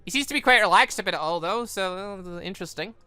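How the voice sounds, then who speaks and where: A man's voice: sits high, animated, fast talker, pushed and bright, clear, resonant tone, dry recording, faint music behind. A British man giving casual, rambling let's-play commentary on a visual novel, stumbling over words and correcting himself as he goes. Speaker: gaming video host.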